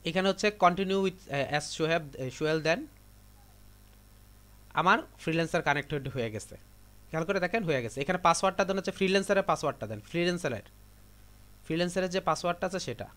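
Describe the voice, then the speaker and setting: A man's voice: on the high side, expressive, fast talker, fairly bright tone. A man from Bangladesh teaching a computer class, giving repetitive step-by-step instructions to his students. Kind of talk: live classroom tutorial.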